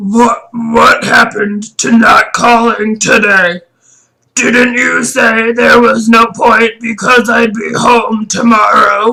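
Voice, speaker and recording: A man puts on a gravelly character voice at an extremely high pitch. He talks at a very slow pace. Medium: actual play. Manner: flat, deadpan.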